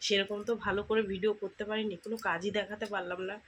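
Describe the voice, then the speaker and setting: A woman with a hoarse, weak voice, talking softly and slowly to her viewers while sick with fever, chatting casually at home at night. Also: mid-range voice, level tone, a little hiss or hum. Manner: soft, slow and tired. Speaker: vlogger.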